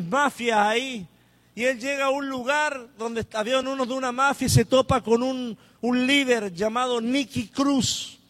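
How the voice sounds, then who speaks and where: A man's voice: very high-pitched, a bit bright. A man preaching an emphatic sermon, calling on the congregation to repeat words after him.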